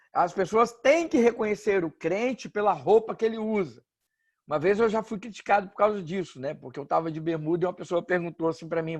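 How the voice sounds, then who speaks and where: A Brazilian pastor, a man preaching an informal sermon with joking stories and animated asides. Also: high-pitched. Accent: Brazilian Portuguese.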